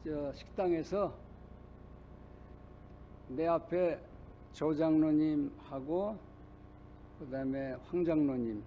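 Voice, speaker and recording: An older male pastor preaching a sermon, telling a personal story in a halting way with many pauses. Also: medium pitch, lo-fi sound, a little hiss or hum. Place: church sanctuary.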